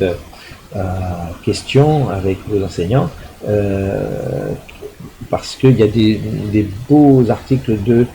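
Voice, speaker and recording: A man's voice: fairly low pitch, warm tone, a little hiss or hum, poor audio. A middle-aged man, a university lecturer, explaining a recorded lecture with frequent fillers, restarts and tag questions to check understanding. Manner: hesitant, many fillers and restarts.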